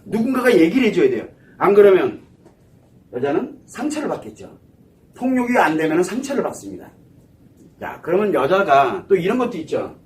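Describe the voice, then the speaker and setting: A man with a high-pitched, darkish voice delivers a psychology lecture, posing questions to the audience and then answering them himself. He sounds somewhat far from the microphone.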